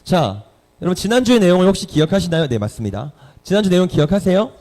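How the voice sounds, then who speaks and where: A man preaching to teenagers in a lively way, putting questions to his listeners. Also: high voice, quick pace. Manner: lively, quizzes the audience. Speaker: youth pastor. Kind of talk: sermon to teenagers. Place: church hall.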